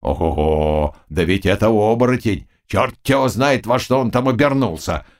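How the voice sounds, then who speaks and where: A man's voice: fairly low pitch, animated, normal speed, close to an everyday voice. A man voicing rowdy cossacks who jeer and tease a comrade. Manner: jeering, teasing. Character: rowdy mocking male cossacks.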